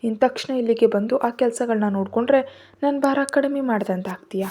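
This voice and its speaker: A sharp-tongued young woman bantering on the phone in a storybook tale, as a woman reads her part. Her voice is mellow and slightly high. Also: a little fast, slight background noise, natural voice. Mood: playful.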